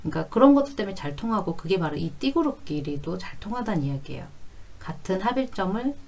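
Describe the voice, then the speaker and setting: A woman's voice: medium pitch, very animated, fast, a little mellow. A woman in her forties giving a conversational explanatory lesson, going step by step and repeating key phrases. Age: 40s. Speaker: fortune-telling teacher.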